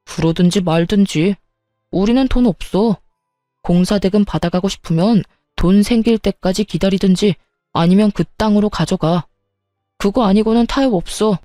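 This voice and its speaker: A woman's voice: mid-range voice, moderate pace, mellow, no echo, studio quality, soft background music, natural voice. A woman voicing a petty, scheming young husband who talks in a blunt, dismissive way. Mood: cold dismissive.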